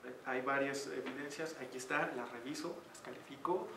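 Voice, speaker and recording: A man's voice: medium pitch, normal speed, vocal fry. A man with a Mexican accent giving an online tutoring session as teacher, talking in a chatty way full of fillers. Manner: chatty, uses many fillers. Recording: echoey room, distant mic, noisy.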